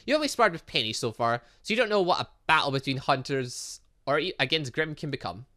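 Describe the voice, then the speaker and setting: A teasing young schoolgirl from a visual novel game, acted out by a man. The delivery is bright and lively, with a breezy know-it-all manner. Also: on the high side, brisk. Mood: explaining. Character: brash, teasing young female student in a top hat.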